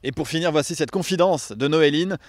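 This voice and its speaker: A man presenting a radio feature on a restaurant, narrating in a lively way with playful turns of phrase and asking questions. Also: fairly high pitch, fairly quick. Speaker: radio reporter.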